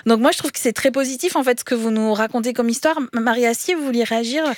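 A woman hosting a live radio talk show in a studio, brisk and encouraging, often cutting in. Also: on the high side, no room sound. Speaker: radio host.

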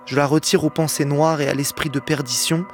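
A man reading aloud as a gentle, serene old bishop who speaks calmly and kindly. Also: a little high, a little fast, soft background music, lightly acted. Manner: calm, kindly, a touch solemn.

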